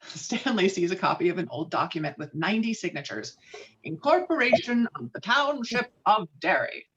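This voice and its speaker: A woman's voice: lowish voice, sing-song, normal speed, fairly bright tone. A woman reading screenplay stage directions as narrator at an online table read. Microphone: video call. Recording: dull lo-fi online call audio.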